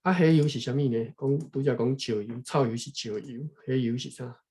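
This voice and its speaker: A man from Taiwan reading a history book aloud unscripted, thinking aloud, pausing to look up words and adding frequent tag particles. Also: mid-range voice, dark tone. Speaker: reader explaining a history book to viewers. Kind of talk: unscripted read-aloud with running commentary.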